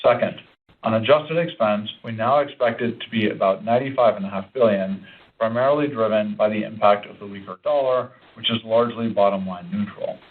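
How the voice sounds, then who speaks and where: A man's voice: fairly low pitch, a little fast. A man giving a formal, scripted financial presentation as a company executive, in a businesslike manner. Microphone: conference call line. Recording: narrowband, phone-like conference line.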